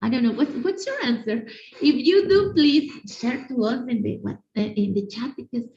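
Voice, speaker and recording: A woman teacher from Mexico with a Mexican Spanish accent, giving an animated online conference talk and speaking directly to her audience. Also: a little high, normal speed, creaky. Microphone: video call. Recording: echoey room, dull lo-fi sound.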